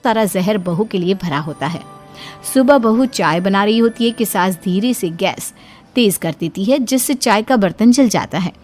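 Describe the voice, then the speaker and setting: A woman narrating a cartoon family story in a steady storytelling manner. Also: mid-range voice, moderate pace, faint music behind.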